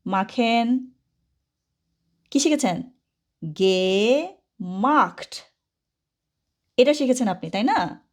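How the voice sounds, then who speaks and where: A woman with a slightly high voice teaching a grammar lesson. She explains step by step and keeps checking that the students have understood. Her first language is Bengali. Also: lively intonation, takes it slowly, long pauses, a little mellow. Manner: patient, asks many checking questions. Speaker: German teacher. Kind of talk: classroom-style grammar lesson.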